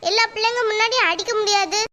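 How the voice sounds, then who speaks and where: A woman's voice: very high voice, fast talker, sharp tone. A woman voicing a weary, patient school teacher in a cartoon, speaking in a soothing but firm way. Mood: calm firm. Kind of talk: cartoon voice acting.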